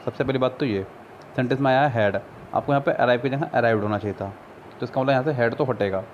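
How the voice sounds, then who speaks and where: A man with an Indian accent, a Hindi speaker, tutoring for an English exam over a screen recording, patiently explaining and reading English sentences slowly. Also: mid-range voice, lo-fi sound, a little hiss or hum. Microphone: screen recorder mic.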